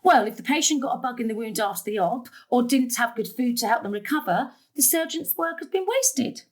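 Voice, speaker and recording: A principled mother in a stage drama, worn to exasperation by her family. Her voice is high and swings widely, firm and emphatic. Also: lively intonation, brisk. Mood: reassuring.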